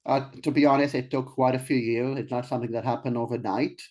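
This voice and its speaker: A man's voice: medium pitch, fairly even intonation, fast, a little mellow. A young man from Israel, a guest in an interview, talking casually with many ums and restarts. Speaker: guest, life coach.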